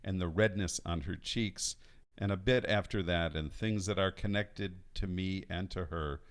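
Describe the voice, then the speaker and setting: Brief: male song leader, low voice, talks haltingly, restarts a lot, casual intro before singing. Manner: halting, searching for words with many restarts. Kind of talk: casual spoken introduction before singing at a live-streamed study night. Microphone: home setup singing over recorded accompaniment.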